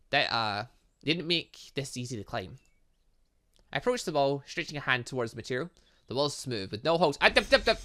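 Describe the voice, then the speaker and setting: A man reading visual novel dialogue aloud as a gaming host, playfully breaking in with his own asides and reactions. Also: medium pitch. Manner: animated, interjecting, playful asides.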